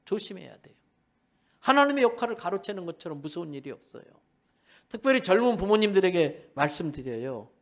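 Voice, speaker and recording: Male pastor preaching, high voice that jumps all over, goes loud then hushed. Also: brisk. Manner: animated preaching, acts out the brothers and Joseph in quoted lines; swings between loud emphasis and hushed low asides. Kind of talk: sermon.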